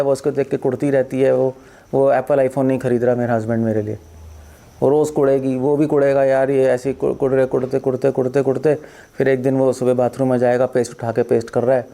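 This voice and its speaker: A man, a monk who was once a doctor, giving a spiritual talk and telling stories that act out what people think and say. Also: medium pitch. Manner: animated storytelling, acts out quoted thoughts and repeats phrases. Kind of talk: spiritual discourse.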